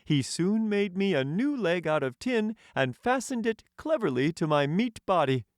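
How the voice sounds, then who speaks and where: A proud storybook tin emperor, speaking very high with a lilting, swooping delivery. He is courtly and self-satisfied, and words everything formally and grandly, as in an audiobook fairy tale. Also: very animated, normal speed, no echo, studio quality. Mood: earnest, cheerful. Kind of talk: audiobook character voice.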